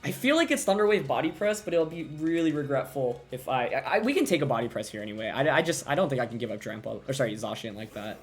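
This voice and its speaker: A man's voice: medium pitch, lively intonation, fast, hardly any pauses, faint music behind. Man thinking aloud over a video game. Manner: thinking aloud, second-guessing his own plays. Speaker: competitive game commentator. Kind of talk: live gameplay commentary.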